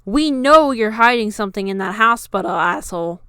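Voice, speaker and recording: A woman voicing a short-tempered, confrontational young man with a harsh, loud delivery in a story reading. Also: medium pitch, animated, moderate pace, clear, resonant tone, no echo, clean studio sound. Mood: furious.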